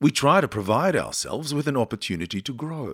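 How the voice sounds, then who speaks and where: Speaks at a moderate pace with an Australian accent, lively intonation and vocal fry. The recording is very clean, with a silent background. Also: man. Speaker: podcast host and singer. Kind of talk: interview conversation.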